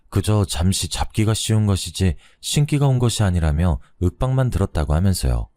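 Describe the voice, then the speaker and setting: A man calmly narrating a first-person story. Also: sits low, no room sound, clean studio sound.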